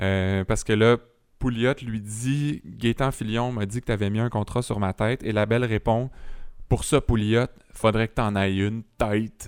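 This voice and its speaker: In a very clean recording with a silent background, a man with medium pitch and fairly even intonation speaks at a fairly slow pace in an ordinary speaking voice. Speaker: podcast host. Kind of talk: casual chat. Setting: studio.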